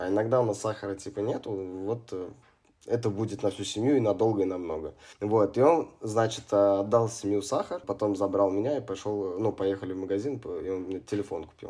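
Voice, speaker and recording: Against a quiet background, a man with a dark, mellow tone speaks at a moderate pace in a fairly low pitch with ordinary pitch variation. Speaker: dance studio owner, grew up in an orphanage. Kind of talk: interview. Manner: casual, rambling.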